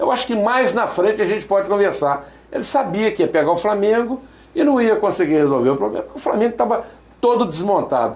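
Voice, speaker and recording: A man speaks at a very fast pace in a high pitch. His intonation is lively. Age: 60s. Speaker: sports pundit. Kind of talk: sports talk show commentary. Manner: animated, opinionated.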